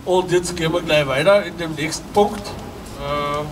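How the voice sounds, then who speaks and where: A middle-aged man moderates an outdoor rally, announcing speakers into a handheld mic with hesitant pauses. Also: on the high side. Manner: hesitant, fills with äh. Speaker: event moderator. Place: outdoor city square. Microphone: handheld mic, filmed from afar. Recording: distant with outdoor street noise.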